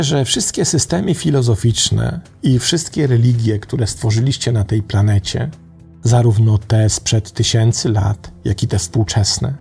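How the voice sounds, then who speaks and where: A man reading a calm, gravelly star traveler. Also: medium pitch. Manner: calm, matter-of-fact. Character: calm, curious male space traveler of light.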